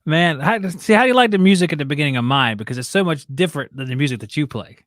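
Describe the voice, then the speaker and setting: A man's voice: a little high, expressive, very fast, fairly bright tone, no room sound, clean studio sound. A man in his forties chatting casually, easygoing and full of questions. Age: 40s. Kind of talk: casual chat.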